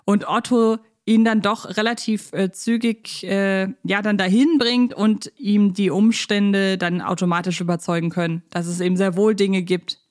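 A woman's voice: medium pitch, fairly even intonation, moderate pace, few pauses, a little mellow, dry recording, studio quality. A woman in casual podcast conversation, chatty and articulate, freely giving her opinions. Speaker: podcast co-host. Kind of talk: casual unscripted podcast chat about audio dramas.

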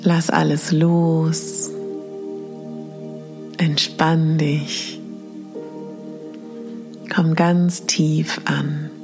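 A woman leading a guided meditation in the soothing manner of a sleep story narrator, with breathy phrase endings. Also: low voice, flat delivery, very slow, pauses often. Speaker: podcast host and guided exercise leader. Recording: music behind the voice. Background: clear background music.

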